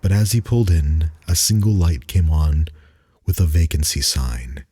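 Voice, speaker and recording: A man giving a dramatic reading of a spooky story, deliberate and suspenseful, with dramatic pauses. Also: very deep voice, heavy background noise.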